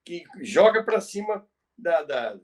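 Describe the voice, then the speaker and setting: Brazilian male co-host, high-pitched, conversational storyteller with halting, repetitive phrasing. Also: very animated. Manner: halting, repeats words for emphasis. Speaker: podcast co-host. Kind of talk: conversational storytelling about radio history.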